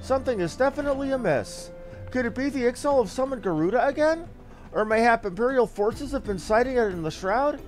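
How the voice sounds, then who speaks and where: A man voicing a small, excitable young female helper from a fantasy game, in a theatrical, effusive manner. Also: very high voice, brisk, soft background music. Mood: alarmed, gossipy. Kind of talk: reading game dialogue in character.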